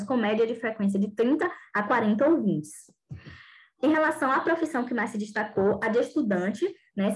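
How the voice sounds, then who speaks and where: A woman's voice: on the high side, low-quality recording. A young woman, a graduate student, presenting her project slides over a webcam and reading steadily with small hesitations and fillers. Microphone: webcam video call.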